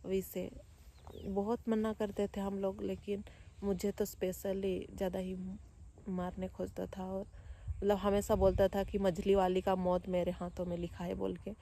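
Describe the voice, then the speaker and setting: A young woman vlogger talking quietly and sadly, standing outdoors near family graves. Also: mid-range voice, completely flat delivery. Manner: subdued, grieving, speaks slowly and softly. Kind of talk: personal vlog talk.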